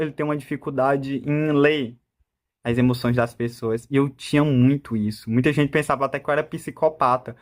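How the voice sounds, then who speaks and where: A talkative young man in his twenties with a Brazilian accent, his voice sitting a bit higher than most men's. He rambles through a casual personal monologue, cutting himself off and restarting mid-thought. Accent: Brazilian Portuguese. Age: 20s. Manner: talkative and rambling, with self-interrupting restarts and frequent laughs. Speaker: vlogger.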